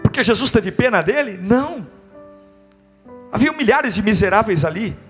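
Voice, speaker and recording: A Brazilian man preaching an impassioned sermon, building to near-shouting and falling back to hushed tones. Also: sits high, animated, moderate pace, faint music behind. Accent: Brazilian Portuguese.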